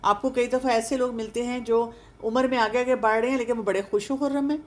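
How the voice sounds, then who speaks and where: A woman's voice: fairly high pitch, fairly even intonation, a little mellow. A woman counselor giving an earnest advice talk to older listeners, coaxing them with rhetorical questions and mixing English words into her speech. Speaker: counselor and speaker on aging.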